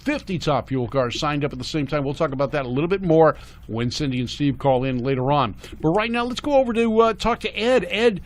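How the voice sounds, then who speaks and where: A man's voice: fairly high pitch, fairly quick. A man hosting a live car radio show from a studio, upbeat and chatty, laughing often as he runs through introductions.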